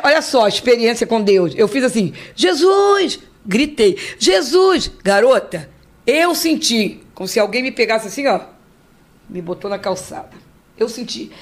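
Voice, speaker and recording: Rio accent lady in her 50s, chatty storyteller on a podcast, does all the voices. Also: fairly high pitch. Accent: Rio de Janeiro Portuguese. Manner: animated storyteller, acts out quoted voices, repeats words for effect. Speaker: guest, host's mother.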